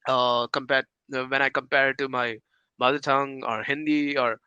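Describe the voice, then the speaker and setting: A man's voice: mid-range voice, little pitch movement, normal speed, bright, forceful tone, clear, resonant tone, no room sound, dull audio. A young man from India with an Indian English accent, chatting casually on a podcast, hesitant with many fillers and restarts. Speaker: podcast co-host.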